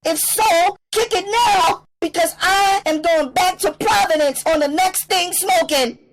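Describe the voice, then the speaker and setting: A man voicing a young, angry and defiant woman prostitute in a falsetto. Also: expressive, moderate pace, a little hiss or hum.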